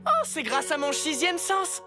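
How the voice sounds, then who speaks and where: A woman's voice: sits high, wildly swooping pitch, a little slow, loud music behind the voice, heavily acted. A woman voicing a vain, peppy young superhero in a French cartoon dub, boastful and exclamatory. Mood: defiant, cocky.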